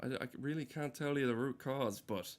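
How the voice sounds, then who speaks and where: A man's voice: mid-range voice, normal speed, heavy background noise. A man casually streaming a game, rambling and swearing with dry, joking commentary.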